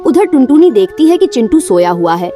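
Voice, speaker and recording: A woman's voice: on the high side, brisk. Woman narrating a cartoon story. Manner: even storytelling. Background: music.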